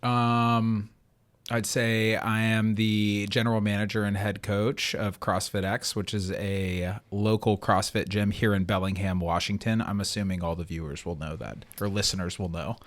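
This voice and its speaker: A man's voice: on the low side, level tone, normal speed. Easygoing man telling his story. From United States. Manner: easygoing storyteller, hesitant with fillers. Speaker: guest, CrossFit coach and athlete. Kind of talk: casual podcast interview.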